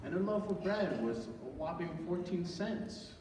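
A man's voice: high voice, lively intonation, unhurried. Guy playing old fella telling folksy childhood memories, radio play onstage, big reverb and noise. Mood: nostalgic. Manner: reminiscing, folksy. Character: older man fondly recalling his 1940s childhood. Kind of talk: scripted radio play narration on stage. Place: large church auditorium, recorded from the audience. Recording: echoey hall from far off, noisy.

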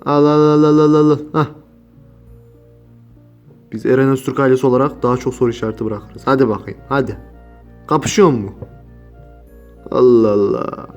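Young guy doing a scare vlog, slangy, jumpy, mid pitch, faint music behind. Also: steady tone, normal speed, pauses often, muffled recording. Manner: slangy, exclaiming, swings between mumbling and yelling. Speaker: YouTuber.

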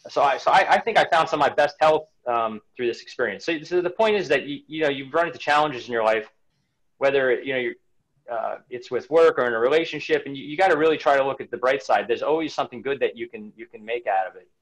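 A man's voice: mid-range voice, fast talker, low-quality recording. A man in his forties on a video call from home, talking reflectively about his life, often restarting and repeating words. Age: 40s. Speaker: interview guest, runner. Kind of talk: casual video-call interview. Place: home room indoors. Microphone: webcam on a video call.

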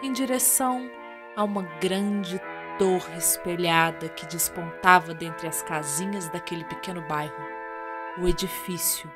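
A Brazilian woman narrating a scripted radio drama as a theatrical storyteller. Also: on the low side. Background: music with guitar.

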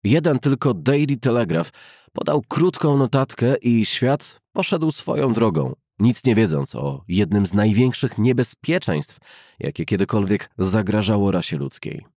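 Low, husky male audiobook narrator. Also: big pitch swings, mellow, no room sound, clean studio sound. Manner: measured, formal storytelling. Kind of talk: scripted literary narration of a novel.

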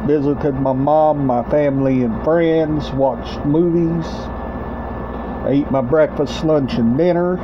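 Slow-talking middle-aged man, halting delivery. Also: on the high side. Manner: halting, short broken phrases, repeats himself. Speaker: host of a collection video channel. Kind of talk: casual rambling show-and-tell vlog. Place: small room at home, indoors. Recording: dull lo-fi webcam-like sound, clear background noise.

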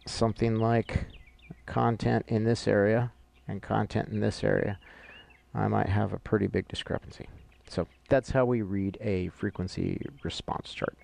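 A middle-aged male audio-visual instructor, his lowish voice creaky and a little mellow, talks through technical material while annotating charts. He explains informally and step by step, as though thinking aloud.

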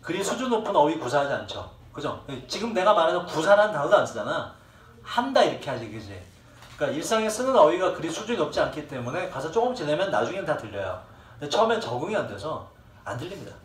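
A man teaching an English class in casual speech, joking, swearing and laughing at his own stories. His fairly high voice swings widely in pitch, and it is caught from across an echoey classroom with faint room sound behind him. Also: sing-song, fast, distant mic. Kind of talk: classroom lecture.

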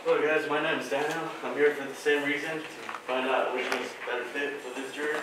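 A man's voice: mid-range voice, little pitch movement, fast talker. Man asking questions in an echoey lecture hall. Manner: hesitant, filler-heavy questions. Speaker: student questioning mock jurors. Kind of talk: classroom role-play questioning. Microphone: far camera. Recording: echoey hall from far off, noisy.

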